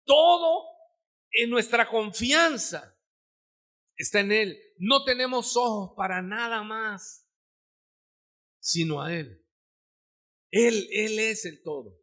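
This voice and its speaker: A man's voice: high-pitched, animated, slow, long pauses, sharp tone. An older man with a Mexican Spanish accent preaching a live sermon in a church, fervent, questioning his congregation directly and calling them brother. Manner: fervent, calls listeners "hermano", asks the congregation questions. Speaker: pastor. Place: church sanctuary.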